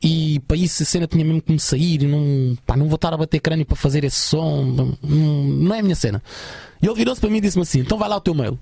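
Young Portuguese musician guest, gravelly and quick, slangy storyteller, dry close sound. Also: male voice, on the high side, warm tone, no room sound. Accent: European Portuguese. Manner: chatty, many fillers, slangy. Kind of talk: casual storytelling.

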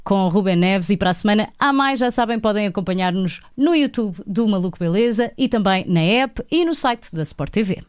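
A woman's voice: medium pitch, lively intonation, fairly quick, few pauses, clear, resonant tone, dry recording, clean studio sound. A Portuguese woman hosting an informal show in a casual, chatty style. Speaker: show host. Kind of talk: casual, informal interview chat.

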